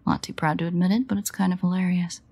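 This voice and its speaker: A woman playing a sardonic, guarded but fond vampire in an intimate audio roleplay, wry and hesitant in manner, with a husky, gravelly voice. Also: on the low side, fairly even intonation, fast talker, mellow. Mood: teasing.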